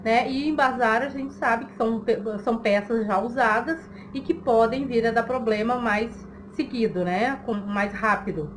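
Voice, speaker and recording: A woman's voice: fairly high pitch, normal speed, few pauses, faint music behind. A woman, chatting casually to camera as a vlogger and often checking in with the listener. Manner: conversational, frequent checking tags to the listener. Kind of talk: casual chat to camera, giving tips. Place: small room at home, indoors. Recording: clearly noisy home recording.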